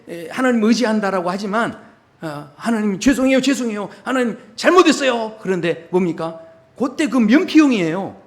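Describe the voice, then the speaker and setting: A man preaching a sermon as pastor, telling a story with acted-out lines and asking the congregation questions. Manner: animated storytelling, acting out dialogue in a low voice.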